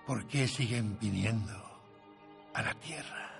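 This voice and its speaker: A rambling old aristocrat. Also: male voice, on the low side, slow pace, gravelly. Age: older. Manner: rambling, theatrical, genteel. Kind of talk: Spanish film dub. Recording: film soundtrack with music under.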